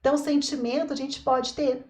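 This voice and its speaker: A woman's voice: sits high, fairly even intonation, moderate pace. A woman hosts a parenting live stream, praising viewers and asking them questions. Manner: warm, encouraging, asks the audience questions.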